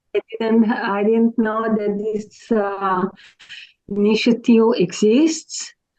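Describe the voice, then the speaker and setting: In a Slovenian accent, a woman with a dark, mellow tone and fairly high pitch speaks very slowly with fairly even intonation. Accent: Slovene. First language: Slovene. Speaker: activist. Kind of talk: video call discussion. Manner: halting.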